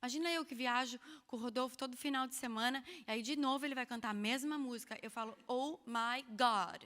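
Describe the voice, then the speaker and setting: Woman preacher, high and bright, lively sermon with jokes, long hall reverb. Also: fast talker. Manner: expressive and animated, with humorous asides to the audience. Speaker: preacher at a women's church meeting. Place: church hall.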